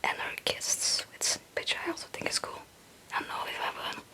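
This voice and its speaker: This ASMR video creator, a young woman whose first language isn't English, whispers casually and rambles, frequently hesitating and poking fun at herself. Her pace is moderate, her tone bright and forceful.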